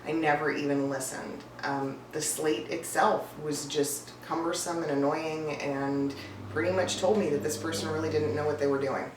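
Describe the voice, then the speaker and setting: A voice-over coach and casting professional with a slightly low voice runs through a list of tips in a direct-to-camera advice video, sounding blunt, emphatic and conversational. Her intonation stays fairly even at a normal speed, with music playing behind her. She's recorded indoors with a cat nearby, set back from the mic in a clearly echoey room with faint background noise.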